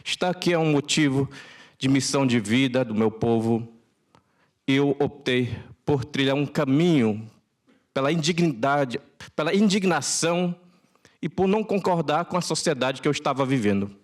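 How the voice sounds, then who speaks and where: A man from Roraima, a Macuxi speaker, giving a solemn, deliberate speech to an audience. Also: medium pitch, expressive. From Roraima, Brazilian Amazon.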